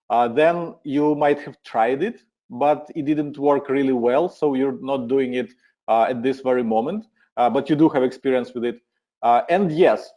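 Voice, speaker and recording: A man with a Ukrainian accent presenting a webinar in a relaxed, friendly way, with many filler uhs. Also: mid-range voice.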